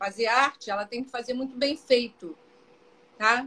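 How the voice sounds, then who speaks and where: This is a woman speaking. Her pitch is high. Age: 60s. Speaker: psychologist and author. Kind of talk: interview conversation.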